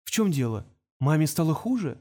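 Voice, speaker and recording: A man's voice: a little high, sing-song, a little fast, dark tone. A man voicing a patient teenage boy genius who talks in a precise, lecturing way.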